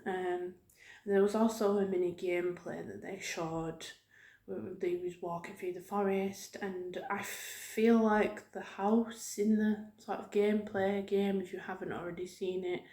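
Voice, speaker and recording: Soft-spoken woman rambling in a roomy echo. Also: medium pitch, fairly even intonation, measured pace. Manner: hesitant, rambling, informal. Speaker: YouTube host. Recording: roomy, echoing room sound.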